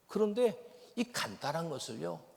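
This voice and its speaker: A man with a Gyeongsang accent preaching a sermon as a missionary, shifting from loud bursts to hushed whispers. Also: a little high, big pitch swings, unhurried, vocal fry. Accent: Gyeongsang Korean. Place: church sanctuary. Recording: long reverb of a church hall.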